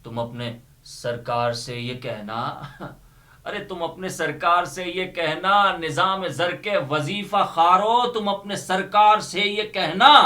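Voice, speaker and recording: A man with a high-leaning, pushed and bright voice recites Urdu poetry theatrically. His reading is impassioned and declamatory, repeating phrases for emphasis.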